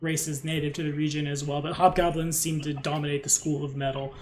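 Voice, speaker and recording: A man with a slightly high voice runs a tabletop fantasy game. He improvises his narration, descriptive and informal, often halting as he builds the scene. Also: flat delivery. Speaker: game master.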